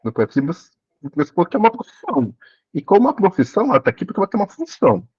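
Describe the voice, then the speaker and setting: A man's voice: high voice, very animated, rapid-fire, darkish tone, husky, no room sound, dull audio. A man thinking aloud in a casual study group discussion, reflective and often rephrasing himself.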